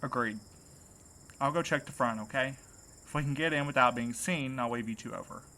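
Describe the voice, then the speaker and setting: A man's voice: mid-range voice, brisk, pushed and bright. A man acting in an audio drama as an earnest, anxious man set on a rescue, speaking with urgency. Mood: earnest, uncertain. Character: determined, anxious young man set on rescuing his friend.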